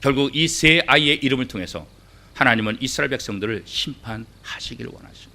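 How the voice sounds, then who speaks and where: Animated, bright-voiced male pastor. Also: medium pitch, fast talker, gravelly. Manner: dramatic, acts out quoted voices, swings between loud and hushed; asks the congregation rhetorical questions. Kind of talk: sermon.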